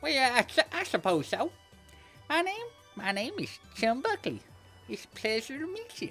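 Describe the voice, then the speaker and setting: In a put-on character voice, high-pitched and swinging very widely in pitch, the speaker moves at a moderate pace with long, frequent pauses while clear music plays in the background. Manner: hesitant, polite.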